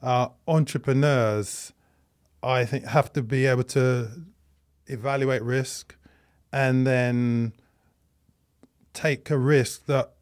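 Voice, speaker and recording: A man speaking as a podcast guest, measured and deliberate. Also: mid-range voice, fairly even intonation, darkish tone. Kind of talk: conversational interview.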